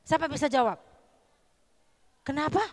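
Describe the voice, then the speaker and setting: A woman with a North Sumatran Indonesian accent teaching a children's Christmas Sunday school lesson, lively and quizzing the kids with questions. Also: sits high, normal speed. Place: church hall. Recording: echoey hall.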